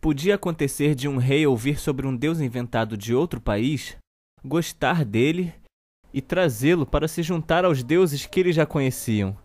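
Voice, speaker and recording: Guy doing a brazilian kids tv uncle reading storybook, deliberate and theatrical, dry close sound. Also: on the high side, a little mellow, no room sound, natural voice. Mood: storytelling. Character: children's TV show host uncle reading a satirical storybook. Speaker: storyteller host of a kids' show.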